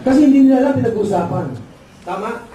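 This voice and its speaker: A man giving an energetic motivational seminar talk with jokes, leading his audience in chants. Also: very high-pitched, fast talker, muffled recording. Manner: energetic, leads call-and-response chants. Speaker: seminar speaker. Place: large hall with live audience. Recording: echoey hall, far mic, crowd noise.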